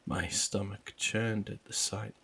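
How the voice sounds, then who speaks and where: A man narrating a first-person horror story in a low, even, unhurried manner. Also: creaky, slightly rough.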